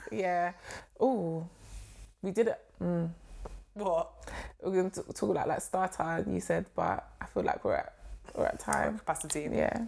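With a London accent, a woman talks at a fairly slow pace. She leaves long, frequent pauses. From England, Wolverhampton (West Midlands). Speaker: podcast co-host. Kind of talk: casual chat.

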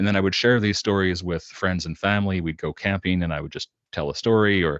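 Rushing at a very fast pace, a man speaks in a very deep, low pitch with monotone, flat intonation. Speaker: podcaster. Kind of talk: casual interview. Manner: soft-spoken.

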